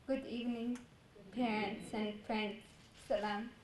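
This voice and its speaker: A woman's voice: on the high side, flat delivery, a little slow, heavy background noise. Teen girl in an echoey hall. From Palestine. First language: Arabic. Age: teens. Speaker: graduating student. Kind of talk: prepared speech.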